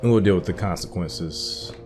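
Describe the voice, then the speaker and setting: Man, low-pitched voice, casual gaming streamer, playthrough commentary, prominent music behind. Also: normal speed. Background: game music.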